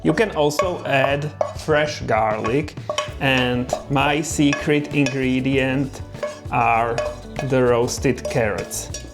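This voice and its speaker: A man's voice: medium pitch, steady tone, very slow, music in the background. A man hosting a home vlog, chatting easygoing about cooking and his garden outdoors, laughing often. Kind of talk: relaxed home vlog chat.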